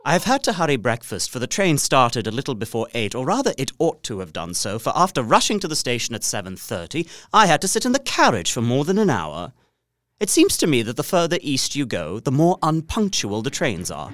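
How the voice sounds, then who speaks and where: An actor playing a proper, earnest young English gentleman narrating his journal in an audio drama, precise and expressive. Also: medium pitch, fairly quick, dry recording, studio quality. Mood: curious, bemused. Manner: expressive, precise, faintly bemused.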